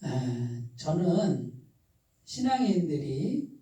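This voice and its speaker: A man's voice: on the high side, sing-song, extremely slow, warm tone. A man pastor preaching a sermon, often asking his congregation questions and waiting for their replies. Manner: asks the congregation questions and waits for answers. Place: church sanctuary. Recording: very echoey room, voice far from the mic.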